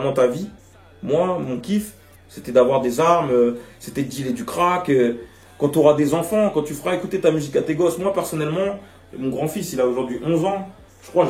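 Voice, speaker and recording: A slightly high, somewhat mellow male voice belongs to a rapper from French Guiana giving an interview, passionate, emphatic, and outspoken. The recording has roomy echo, a distant mic, and faint background music.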